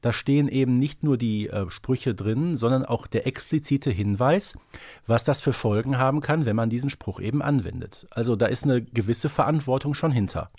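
A man's voice: mid-range voice, moderate pace, darkish tone, dry recording. Male podcast co-host, mid-range voice, reflective and explanatory, casual delivery, dry recording.

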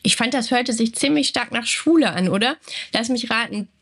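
A woman's voice: fairly high pitch, lively intonation, moderate pace, fairly bright tone, breathy edge. Congested woman news co-host. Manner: friendly, conversational. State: stuffy cold. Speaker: co-host of a company news show. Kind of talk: casual scripted news chat.

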